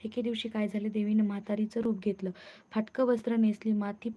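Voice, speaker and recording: Woman reading a devotional tale, flat. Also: medium pitch, a little fast. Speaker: storyteller. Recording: muffled lo-fi recording.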